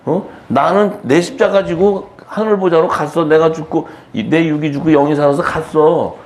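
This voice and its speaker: A man's voice: fairly high pitch, fairly even intonation, moderate pace, a little mellow, voice pushed up, close to an everyday voice. A male preacher voicing Jesus as a grown man rebuking weeping followers with scolding, insistent questions.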